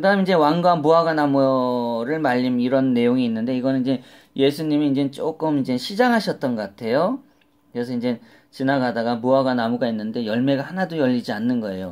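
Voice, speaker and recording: The recording is very clean and the background silent as the speaker moves at a fairly quick pace. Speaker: lay Bible teacher. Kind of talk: Bible study talk. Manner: halting, stumbling; hurried.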